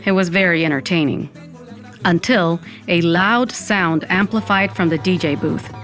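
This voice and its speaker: A woman's voice: on the low side, unhurried, fairly bright tone, soft background music. A woman playing a wry Latina narrator who tells her own story in an audio fiction podcast. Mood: reflective. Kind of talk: scripted first-person narration.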